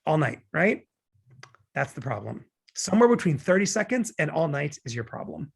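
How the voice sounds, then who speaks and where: Romantic comedy lead, man acting: glib, argumentative young man, husky fry-laden voice, very lively delivery. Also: fairly high pitch, normal speed, heavily acted. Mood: opinionated, cynical. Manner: glib, opinionated, rambling justifications. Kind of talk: table read of romantic comedy script.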